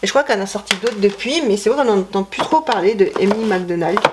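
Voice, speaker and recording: Woman vlogger, mid-pitched, rambling casual chat, faint noise behind. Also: expressive, fast. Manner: chatty, rambling, self-correcting with many fillers. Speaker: vlogger showing her CD collection.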